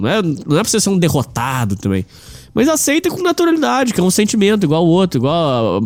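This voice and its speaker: A man speaks at a very fast pace. His voice is high in pitch. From Minas Gerais, Brazil. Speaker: podcaster, literature student. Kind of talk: casual chat.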